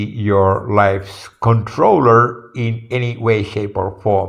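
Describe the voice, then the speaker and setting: In a quiet background, a man speaks in a monotone, flat intonation with a Finnish accent. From Finland. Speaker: video blogger. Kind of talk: monologue addressed to one person. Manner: halting.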